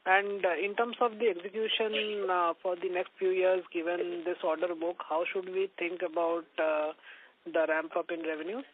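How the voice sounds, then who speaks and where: A thin telephone line carries an Indian man's fairly high voice. He is an analyst politely and formally putting questions on a conference call. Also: little pitch movement, moderate pace, slight background noise.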